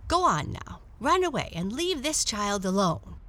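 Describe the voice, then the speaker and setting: A woman's voice: fairly low pitch, big pitch swings, slow, fairly bright tone, full character voice. A woman voicing a brave female black cat who talks firmly but kindly. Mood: scolding.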